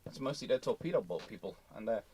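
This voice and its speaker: A man's voice: fairly low pitch, expressive, quick pace, warm tone, slight background noise. A British man hosting a casual live question-and-answer stream, thinking aloud and wandering into digressions. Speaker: host answering viewer questions on a livestream.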